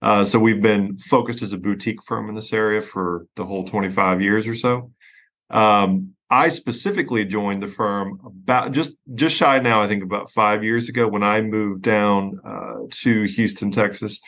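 Middle-aged man, pennsylvania accent, kinda low voice, friendly explainer. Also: fairly even intonation, moderate pace, a bit bright. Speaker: estate planning attorney, guest. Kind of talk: podcast interview.

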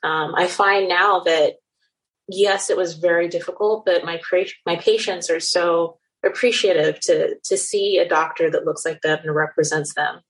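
A woman's voice: on the low side, fairly even intonation, moderate pace, rough recording. A woman in her thirties from Nigeria and the Netherlands with a general American accent, a surgeon answering interview questions in an earnest, reflective way. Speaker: cosmetic surgeon guest. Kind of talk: interview conversation.

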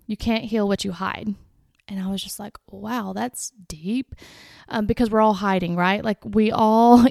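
A woman's voice: medium pitch, darkish tone, clean tone, no echo, clean studio sound. A woman with a congested, nasal voice, talking casually and candidly as she hosts a solo podcast. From Southern United States. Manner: informal, candid, conversational. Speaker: podcast host.

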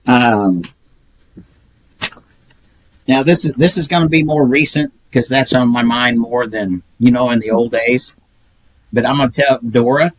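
A man's voice: mid-range voice, measured pace, pauses often, no echo, low-quality recording. An older man, telling folksy stories as a podcast guest and chuckling often. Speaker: guest, retired pedigree reader. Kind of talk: casual podcast chat.

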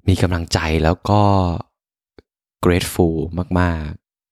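A soft-spoken man hosting a podcast, telling personal stories as unhurried, reflective bedtime pillow talk. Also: sits low, flat delivery, no echo, studio quality. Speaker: podcast host.

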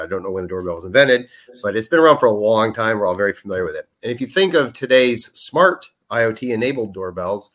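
Lower-pitched male guest, hesitant and filler-heavy explainer. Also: fairly bright tone. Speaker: guest, product manager. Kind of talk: podcast interview.

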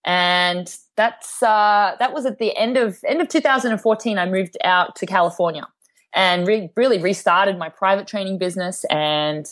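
A woman's voice: mid-range voice, normal speed, a bit bright. A woman with an Australian accent, a podcast guest chatting in an upbeat way with frequent ums and you knows. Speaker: guest, fitness trainer. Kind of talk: casual interview chat.

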